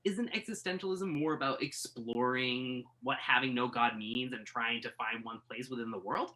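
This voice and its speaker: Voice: medium pitch, moderate pace, sharp tone, natural voice, rough recording. An actor playing a skeptical, wry journalist in a play reading, argumentative and questioning. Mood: skeptical, curious. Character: skeptical, wry entertainment journalist debating music. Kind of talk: conversational dramatic play reading. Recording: virtual reading over internet call.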